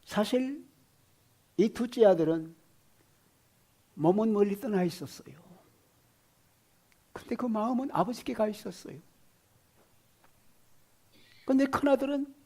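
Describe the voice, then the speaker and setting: A male pastor preaching a sermon in a fairly high voice. He swings between loud exclamations and hushed whispers and keeps asking the congregation questions. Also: a little slow, pauses often.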